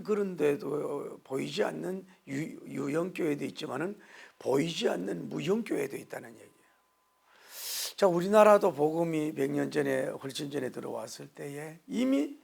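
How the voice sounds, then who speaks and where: Middle-aged man preaching, folksy pastor, rough gravelly voice kinda raspy. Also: a little high, animated, moderate pace, darkish tone. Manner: folksy, mimics regional dialects for humor. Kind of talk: sermon lecture.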